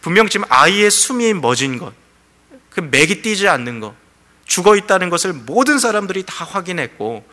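Bright-voiced male pastor preaching in a hall. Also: fairly high pitch. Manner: storytelling preaching with frequent fillers and shifting emphasis. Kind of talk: sermon. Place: church sanctuary. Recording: church hall reverb.

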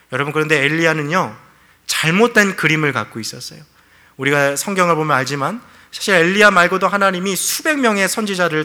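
A man's voice: on the high side, bright, forceful tone. A man preaching a sermon in an earnest way, speaking straight to the congregation and acting out quoted prayers. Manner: earnest preaching, addresses listeners directly, acts out quoted prayers. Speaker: pastor.

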